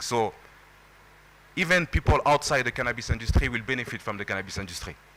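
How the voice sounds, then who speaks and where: Talking at a very fast pace, a man speaks with a non-native accent. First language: not English. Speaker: cannabis organization executive. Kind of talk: conference speech. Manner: interactive, engaging audience.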